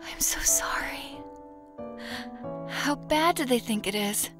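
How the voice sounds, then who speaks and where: A woman's voice: on the high side, lively intonation, slow, whispered, over music. An actress playing a troubled, wistful young female student in an audio drama, earnest and hesitant. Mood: concerned. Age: young adult.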